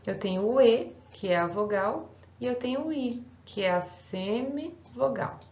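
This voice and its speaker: A woman's voice: fairly high pitch, lively intonation, a little slow, a little mellow. A woman teacher giving a recorded online grammar lesson, explaining patiently step by step and checking in with her students. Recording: roomy, slightly dull home recording.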